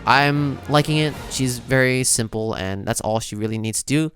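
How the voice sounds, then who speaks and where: A man's voice: mid-range voice, moderate pace, fairly bright tone. A man giving casual, conversational reaction commentary as a video host, explaining things with frequent asides. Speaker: video host reacting to game character preview. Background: background music.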